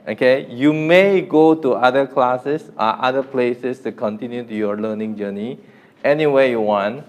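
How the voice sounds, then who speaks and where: Young Korean man, smooth clear voice, energetic teacher pushing a beginner class to speak up. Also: medium pitch. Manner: energetic, coaxing the class to repeat louder; informal, repeats himself and restarts often. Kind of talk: live online beginner class.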